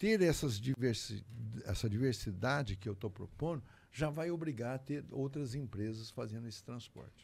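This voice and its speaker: A man speaks at a moderate pace in a medium-pitched, somewhat breathy voice whose pitch swings very widely. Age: 70s. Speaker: mayoral candidate. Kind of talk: interview.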